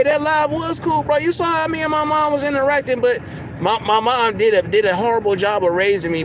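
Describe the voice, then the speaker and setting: A man with a soft, squeaky voice ranting heatedly on a livestream, swearing a lot and stumbling over repeated words. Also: background noise. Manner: heated, profane, repeats words when worked up. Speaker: livestream host. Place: in a car.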